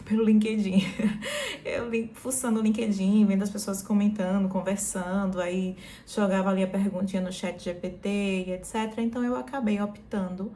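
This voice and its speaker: A woman from Brazil in her thirties talking casually in a vlog. She explains things in a relaxed way, with many fillers and restarts. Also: mid-range voice, a little hiss or hum. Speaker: vlogger.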